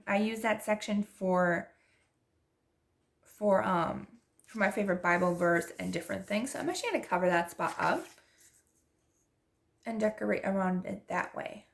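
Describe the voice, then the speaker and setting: Chatty stuffy-nosed woman with gravelly fry. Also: mid-range voice. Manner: chatty, gushing, restarts often. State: stuffy from allergies. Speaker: planner vlogger. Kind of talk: casual chatty narration while decorating.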